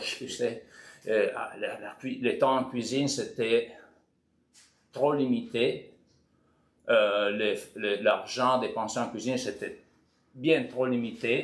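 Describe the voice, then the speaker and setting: With an Italian accent, a man speaks at a very slow pace, leaving long, frequent pauses. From Italy. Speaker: chef and restaurant owner. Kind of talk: interview answer. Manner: talkative, enthusiastic.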